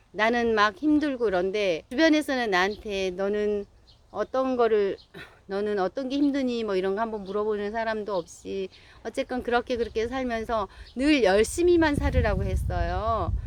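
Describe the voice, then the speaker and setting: Woman's plain, everyday voice, fairly high in pitch, at a moderate pace with ordinary pitch variation. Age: 60s. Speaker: poet. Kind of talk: casual talk. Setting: outdoors.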